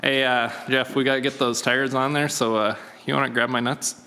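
A man's voice: medium pitch, steady tone, brisk, sharp tone, big-room sound, slight background noise. Laid-back man explaining a DIY job. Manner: laid-back, plain-spoken, frequent uh fillers. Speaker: channel host. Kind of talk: casual DIY how-to walkthrough.

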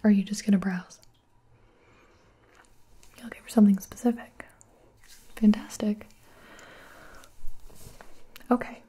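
Softly whispering young librarian played by a woman. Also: mid-range voice, fairly even intonation, unhurried, pauses often. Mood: helpful, friendly. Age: 20s. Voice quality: breathy. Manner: soft-spoken library whisper, gentle and casual. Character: friendly, chatty young female public librarian helping a new patron. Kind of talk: whispered role-play.

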